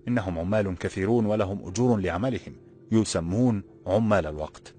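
A man voicing a gentle young woman from an old walled city, speaking in a formal, measured way. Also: deep voice, breathy edge, soft background music. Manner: formal, measured classical speech. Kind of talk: audiobook character voice.

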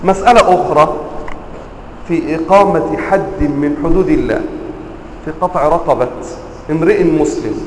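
A man with an Egyptian accent teaching a religious lesson, quizzing his listeners and stressing words with sharp rises. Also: a little high, moderate pace, long pauses, reverberant, big-room sound, slight background noise, poor audio. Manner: quizzes the audience, emphatic rising stresses. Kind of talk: classroom lesson.

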